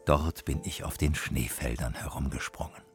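Proud reindeer in a storybook, very low and unhurried, voiced by a man, music behind. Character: proud old reindeer from the far north.

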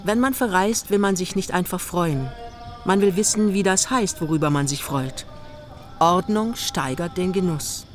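A woman's voice: lowish voice, moderate pace, faint music behind, close to an everyday voice. A woman acting as the storyteller of a literary radio play about a young couple's journey. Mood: composed narration. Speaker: narrator.

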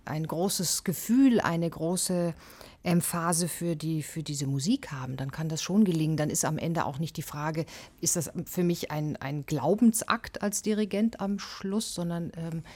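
A woman with a slightly low voice who speaks as a critic on a panel. She searches for her words, pausing and restarting, and now and then sinks into a breathy near whisper as she thinks aloud. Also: a little mellow. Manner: searching for words, hesitant with many fillers, drops to a whisper at times. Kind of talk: thoughtful spontaneous discussion.

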